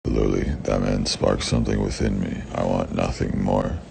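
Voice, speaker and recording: Super deep raspy young guy, gravelly, blunt and sweary, answering fan questions. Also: steady tone, a little fast, a little mellow. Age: young adult. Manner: blunt and profane, with frequent swearing. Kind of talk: casual Q&A talk. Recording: background noise.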